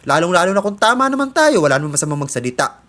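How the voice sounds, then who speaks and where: A man from the Philippines hosting opinion commentary, speaking in a measured way with frequent filler sounds. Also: high-pitched, sing-song, a bit bright. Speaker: commentary host.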